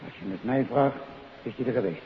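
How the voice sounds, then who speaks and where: A Dutch actor playing an alert, deferential police sergeant with a gravelly voice in a 1950s radio play. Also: male voice, medium pitch, a little fast, lightly acted. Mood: alert, grim. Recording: muffled, noisy 1950s radio recording.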